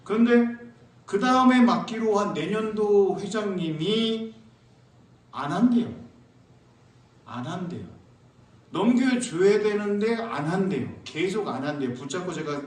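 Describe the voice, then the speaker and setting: A high-pitched male pastor tells a story from the pulpit and slips into the voices of his congregation. The sound is very echoey, picked up from a distance in a church sanctuary with faint ambience. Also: unhurried, long pauses. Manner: animated, acts out church members and sings hymn lines. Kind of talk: sermon with storytelling. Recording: echoey church hall, mic from far off.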